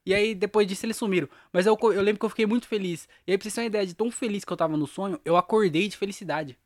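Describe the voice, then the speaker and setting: A man's voice: high voice, rapid-fire, no echo, studio quality. Young man rambling about a dream. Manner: rambling, slangy, laughs at himself. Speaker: podcast host. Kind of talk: casual solo podcast storytelling.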